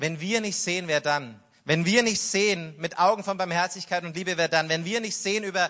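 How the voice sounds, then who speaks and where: The man's voice sits high in pitch. It varies in pitch in an ordinary way. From Bavaria. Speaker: guest preacher. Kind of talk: sermon. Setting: church service, hall with livestream.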